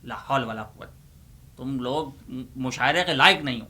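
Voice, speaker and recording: A man playing a theatrical, easily exasperated old uncle librarian who presents and recites comic poetry in a declamatory way with deliberate pauses. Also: mid-range voice, pushed and bright, natural voice. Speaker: host.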